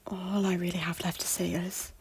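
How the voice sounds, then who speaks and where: A woman playing a guilt-ridden noblewoman in an audio drama, pleading earnestly in formal, theatrical phrases with a breathy, husky voice. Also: lowish voice, level tone, moderate pace, darkish tone. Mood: remorseful confession. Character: guilt-ridden, repentant noblewoman and former schemer, earnestly hopeful. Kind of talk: audio drama acting of a Shakespeare-style story.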